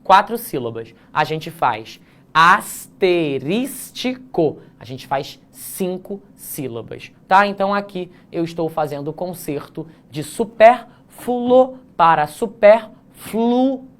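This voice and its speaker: Playful man teaching writing, slow demonstrations. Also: on the high side, lively intonation. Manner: playful, self-mocking, frequent "tá?" check-ins; stretches words slowly to demonstrate pronunciation. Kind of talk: live online essay-writing class.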